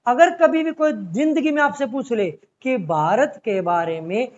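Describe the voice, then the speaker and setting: A man's voice: extremely high pitch, expressive, measured pace, lo-fi sound. A man teaching an exam-prep language class, explaining step by step and repeatedly calling his students "beta".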